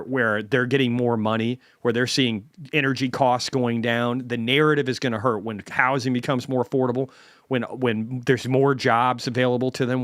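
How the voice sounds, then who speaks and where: A man's voice: medium pitch, fairly bright tone, no echo, clean studio sound. A man hosting a market commentary stream, ranting bluntly and swearing heavily.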